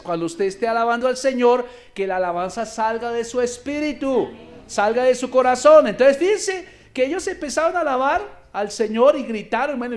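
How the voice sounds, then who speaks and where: High-pitched guy preaching a sermon, lively, keeps asking the church questions. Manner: animated preaching, asks the congregation questions. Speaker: pastor.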